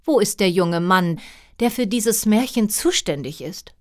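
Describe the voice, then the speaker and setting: A woman's voice: medium pitch, animated, a little slow, voice pushed up, lightly acted. A woman voicing a tired, demanding storybook queen who complains in a plaintive way. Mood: weary, complaining.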